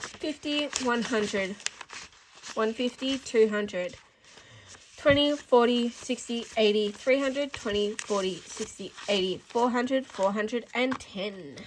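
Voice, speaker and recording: Pausing long and often, a woman with an Australian accent speaks in a fairly high pitch with ordinary pitch variation. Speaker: budgeting vlogger. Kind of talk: casual budgeting tutorial.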